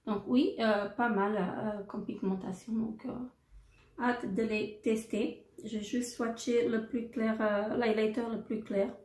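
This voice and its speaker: A woman's voice: on the high side, steady tone, slow pace, darkish tone, reverberant. A woman presenting a makeup haul in a casual, hesitant way, with many fillers and repeated words. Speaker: beauty vlogger.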